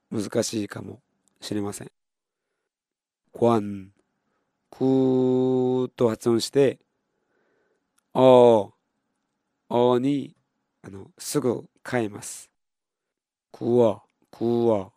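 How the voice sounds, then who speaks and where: A man's voice: medium pitch, dark tone, dry recording, clean studio sound. A man teaching beginner in Japanese, patiently repeating each word and modeling pronunciation for counting drills. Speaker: Korean language teacher.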